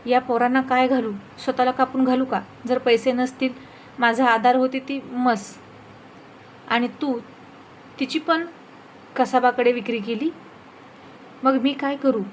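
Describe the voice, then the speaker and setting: Woman voicing a wronged village mother, loud tearful scolding, high voice, faint background noise. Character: poor rural mother, wronged and furious.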